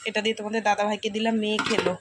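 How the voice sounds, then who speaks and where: A woman's voice: medium pitch, level tone, rapid-fire, heavy background noise. Chatty Bengali woman vlogging her chores. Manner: chatty, addresses viewers directly. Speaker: home vlogger. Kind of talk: casual narration of household chores. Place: small home, indoors.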